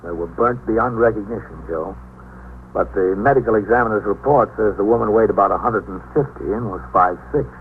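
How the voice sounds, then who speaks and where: An actor playing a calm, fatherly police captain who also narrates the case, in 1950s radio drama style. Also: fairly low pitch, lightly acted. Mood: grave. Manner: steady, gentle, measured. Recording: tinny, faintly noisy 1950s radio recording.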